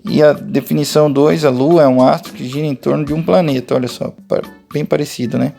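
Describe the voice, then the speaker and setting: A Brazilian man talks a class of children through a remote lesson, patient and methodical as he goes step by step. His voice sits a little high yet sounds mellow and gravelly. Faint music plays softly behind him. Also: fairly even intonation, a little fast. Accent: Brazilian Portuguese. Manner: patient, explains step by step, addresses pupils directly. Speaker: teacher. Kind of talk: remote lesson walkthrough for schoolchildren.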